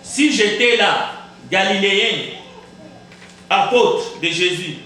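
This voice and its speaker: A man's voice: sits high, sharp tone, very echoey, recorded from a distance. A man preaching a sermon as pastor, with Kizimba as his first language, emphatic and repeating words for effect. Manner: emphatic, repeats words, rhetorical questions, deliberate pauses. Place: church sanctuary.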